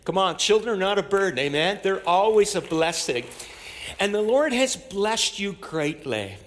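A man's voice: sits high, sing-song, normal speed, fairly bright tone. A man preaching and praying as a church pastor, in a declamatory, repetitive cadence punctuated with amens. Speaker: pastor leading a church service. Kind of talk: sermon and public prayer. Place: church platform, speaking to a congregation.

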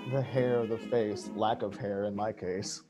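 An actor playing a frightened, rambling man who confides in his therapist, earnest, halting and stammering. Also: lowish voice, steady tone, highs cut off, close to an everyday voice. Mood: bewildered. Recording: music behind the voice.

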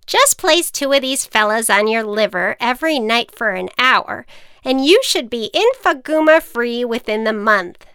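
A wicked witch, put on by a woman reading a storybook, speaks loud and high with a sure, know-it-all air. Her tone leaps about with lively swings and a smooth, clear ring. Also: measured pace, dry recording, studio quality, full character voice. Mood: bossy, matter-of-fact. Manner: confident, matter-of-fact diagnoses.

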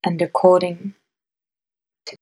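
A woman guiding a meditation in a soft, measured way, with long pauses between phrases. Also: lowish voice, flat delivery, husky, low-quality recording. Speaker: meditation guide. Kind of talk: guided meditation.

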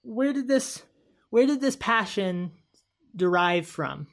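A woman's voice: medium pitch, animated, slow pace. A woman hosting a casual interview podcast, asking questions and encouraging her guest. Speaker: podcast host.

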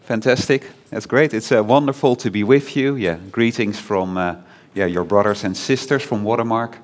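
A Dutch-accented man preaching in a church hall, his voice sitting a little low. He talks in an easygoing, conversational way, stopping often for ums and restarting his sentences. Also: moderate pace. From Netherlands. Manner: chatty, many fillers and restarts. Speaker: guest preacher. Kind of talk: informal sermon.

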